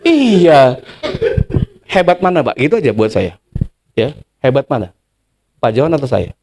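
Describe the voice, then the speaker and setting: A man's voice: medium pitch, a little slow, slight background noise. A man preaching a sermon, talking with the congregation, asking questions and acting out little scenes. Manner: lively preacher, talks with the congregation, asks them questions. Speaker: pastor. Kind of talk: sermon with illustrations.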